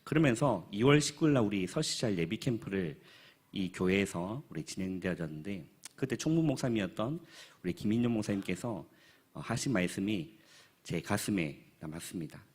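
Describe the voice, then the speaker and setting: A man in his thirties speaks with a low, husky voice as a pastor. He reports to a church forum in an earnest, halting way and often pauses on fillers. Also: lively intonation, darkish tone. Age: 30s.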